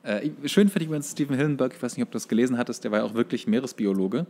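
A man co-hosting a podcast in casual conversation, often halting as he searches for words. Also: mid-range voice, a little mellow. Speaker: podcast co-host. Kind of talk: casual podcast chat about cartoons.

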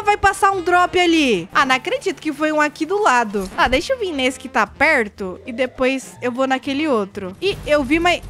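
A young woman with a Brazilian Portuguese accent, chatting excitedly through a gameplay video with frequent squeals and exclamations. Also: high-pitched. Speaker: gaming YouTuber. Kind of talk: casual gameplay commentary. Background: game music and sound effects.

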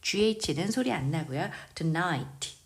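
A woman who speaks Korean natively, teaching English vocabulary in a slow, careful lesson and patiently drilling pronunciation word by word. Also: on the low side, animated. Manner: patient, precise pronunciation drills with repeated words.

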